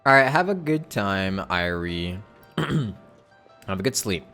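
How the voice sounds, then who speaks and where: A woman's voice: extremely low pitch, expressive, takes it slowly, fairly bright tone, soft background music. A woman giving casual, joking, teasing commentary as she live-streams a game.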